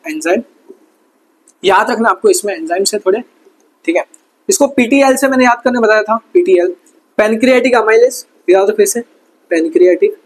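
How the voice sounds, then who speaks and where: A man teaching a fast exam revision lesson, casual and chatty, asking quick questions and answering them himself. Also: high-pitched, breathy edge, low-quality recording. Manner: quizzes himself with quick call-and-response questions. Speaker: science tutor.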